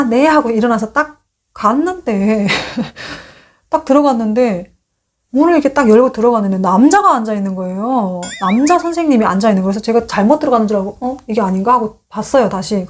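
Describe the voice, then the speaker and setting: A woman in her thirties, originally from North Korea, telling a personal story in a casual monologue and acting out the dialogue as she goes. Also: medium pitch. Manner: animated, acts out quoted dialogue. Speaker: YouTube host sharing her story.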